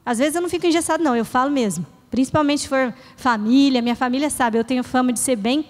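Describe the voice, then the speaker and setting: A woman's voice: high voice, fast, a little mellow. A middle-aged woman pastor preaching in a church, earnest and conversational, acting out short prayers. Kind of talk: sermon. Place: church hall. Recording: reverberant church hall.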